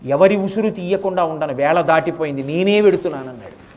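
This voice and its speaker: A man's voice: a little high, brisk, a little mellow, pitched below the performer's own voice, natural voice. A man voicing a stern, unyielding male god of death in a retold legend. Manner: stern, commanding.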